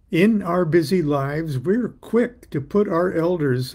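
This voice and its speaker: Against a quiet background, a man talks at a fairly slow pace in a somewhat breathy voice with ordinary pitch variation. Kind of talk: reflective reading. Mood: wry, contemplative. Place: home room.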